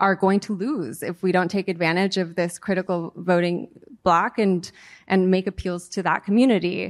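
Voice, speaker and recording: With a Californian accent, a woman talks at a moderate pace and medium pitch, with ordinary pitch variation. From San Diego, US-Mexico border. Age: young. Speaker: journalist and author. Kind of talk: panel interview. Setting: stage with audience.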